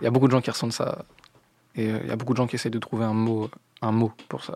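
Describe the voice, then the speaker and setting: A medium-pitched male voice at a very fast pace. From grew up abroad, Asia and Morocco. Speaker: rapper. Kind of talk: casual interview. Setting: studio.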